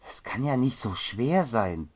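A man's voice: medium pitch, big pitch swings, a little slow, pitched above the performer's own voice. A man playing a clumsy, easily annoyed, sturdy wizard's apprentice who hesitates and stammers in a fantasy audio story. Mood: determined. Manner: hesitant, stammering with filler sounds.

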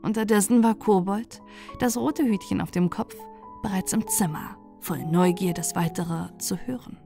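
A woman reads a fairy tale aloud in a soft, gentle, unhurried way, meant for bedtime. Her tone is warm and mellow at a middle pitch. Quiet music lingers in the background. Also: creaky. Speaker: audiobook narrator. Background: faint music.

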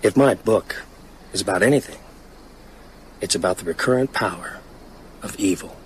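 A man acting a haunted novelist in a radio play. His voice sits fairly low and moves hesitantly, reflectively through his confidences. Background ambience is audible under the dialogue. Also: normal speed, a little hiss or hum, close to an everyday voice, rough recording. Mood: grave, storytelling. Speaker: radio drama actor. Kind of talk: naturalistic radio drama dialogue.

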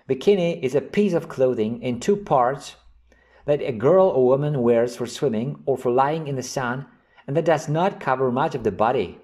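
Man teaching vocabulary, lively mellow voice. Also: mid-range voice. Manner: slow, carefully enunciated reading of example sentences. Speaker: English teacher. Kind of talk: vocabulary lesson narration.

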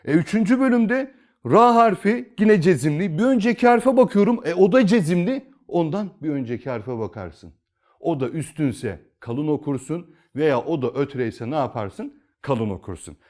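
This man teaches Quran reading through a step-by-step recitation lesson, his slightly high, somewhat mellow voice rising and falling expressively as he explains each rule at a normal speed. He poses questions to his students, answers them himself, and repeats the steps again and again.

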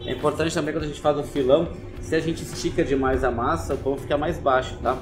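Brief: Brazilian man, thirties, baker teaching in a kitchen, patient explaining tone, soft music under him. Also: fairly high pitch, fairly even intonation, fast. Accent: Brazilian Portuguese. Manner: explanatory, gentle, many "né" and "assim" tags. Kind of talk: cooking demonstration.

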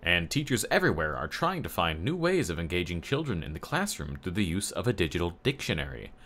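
Male voice actor, slightly low register, animated delivery for scripted announcer and promo reads. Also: a little fast. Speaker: beginner freelance voice actor. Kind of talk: commercial voice-over demo, scripted announcer reads.

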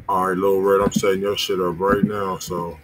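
A man's voice: deep voice, level tone, moderate pace. A man with an American accent co-hosting a music review stream in casual, slangy talk. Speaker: co-host of music review show. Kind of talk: casual livestream chat, slangy. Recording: loud background noise.

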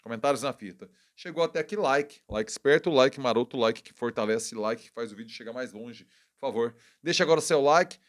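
A man with a Brazilian Portuguese accent doing casual political commentary as a channel host, indignant and wry, with quick self-corrections. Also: medium pitch.

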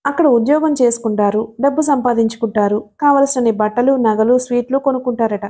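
A woman's voice: fairly high pitch, quick pace, dark tone, slightly rough. A woman doing a know-it-all schoolboy. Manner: knowing, explaining.

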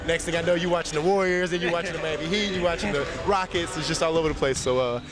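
A man's voice: on the high side, fast. A young man speaking as an interview guest in an empty indoor arena, slightly nasal from a cold, easygoing and rambling into a handheld mic. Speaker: interview guest, basketball player. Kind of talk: casual interview chat.

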